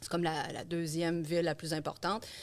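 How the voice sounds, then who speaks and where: Using an unremarkable speaking voice, a woman with a fairly low pitch talks at a moderate pace. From Quebec, Rimouski. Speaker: rapper and dancer. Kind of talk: casual interview. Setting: live-streamed podcast studio.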